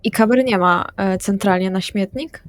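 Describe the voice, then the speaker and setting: Woman player with a medium-pitched voice. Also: moderate pace. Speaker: roleplay player. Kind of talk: in-game narration.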